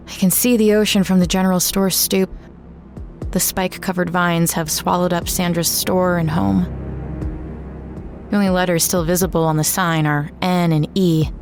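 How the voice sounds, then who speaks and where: Actress as weary, regretful female ex-reporter narrating horror audio drama; lower register, reflective and somber, music underneath. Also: close to an everyday voice. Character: weary, regretful woman, small-town former journalist. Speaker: narrator and protagonist.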